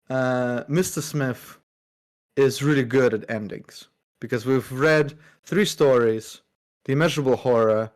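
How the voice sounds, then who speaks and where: Measured man reviewing a story. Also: medium pitch. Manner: thoughtful, measured, hedging with fillers. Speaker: podcast co-host. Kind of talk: casual book discussion.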